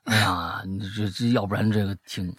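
A man hosting a chat show, reading listener letters aloud and teasing them with animated, mock-indignant commentary. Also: lowish voice, moderate pace, slightly rough, dry recording, clean studio sound. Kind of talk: comic commentary on listener stories.

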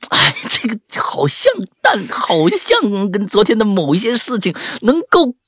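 A man hosting a podcast and reading out listener stories in a chatty, animated way, dropping to hushed tones for the eerie parts and breaking off with jokey asides. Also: sits high, a little slow, breathy edge, dry recording.

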